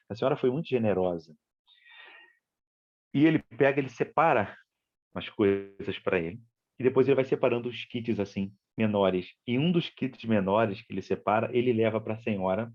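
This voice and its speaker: A man's voice: on the low side, dull audio. A man with a Rio de Janeiro accent giving a spiritist lecture, telling a story in a conversational way and acting out the dialogue. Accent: Brazilian Portuguese, Rio de Janeiro. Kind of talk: storytelling talk.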